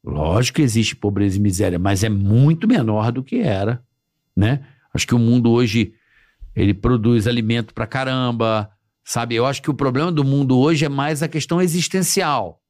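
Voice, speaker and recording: Hesitant podcast host. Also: male voice, medium pitch, a little mellow. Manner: hesitant, repeats words while thinking. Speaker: podcast host, former radio presenter. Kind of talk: casual chat.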